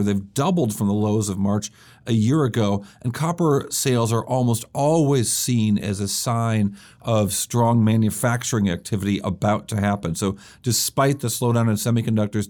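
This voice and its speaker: Brisk male business podcast host. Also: on the low side, darkish tone. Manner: brisk, explanatory, with fillers. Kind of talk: business news podcast talk.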